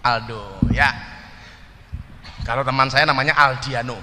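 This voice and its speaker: A man's voice: mid-range voice, fairly even intonation, unhurried, long reverb tail, noisy background. A man giving a humorous religious talk, teasing audience members and slipping into Javanese. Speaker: preacher.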